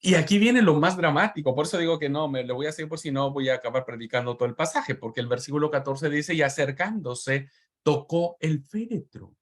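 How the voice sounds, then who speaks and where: A man's voice: a little high, quick pace, few pauses. Fervent man teaching a Bible class. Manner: fervent, repeats words for emphasis, addresses listeners as brothers. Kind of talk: preachy Bible class lecture.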